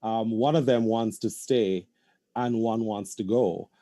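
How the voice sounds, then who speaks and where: A playwright on a video call panel, talking thoughtfully and halting with many restarts. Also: male voice, on the low side, steady tone, warm tone. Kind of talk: panel discussion.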